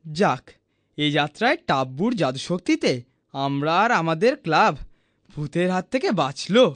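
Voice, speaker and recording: An actor playing an excitable, friendly boy in a children's cartoon. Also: medium pitch, normal speed, background noise, lightly acted. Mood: relieved. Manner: eager, exclaiming.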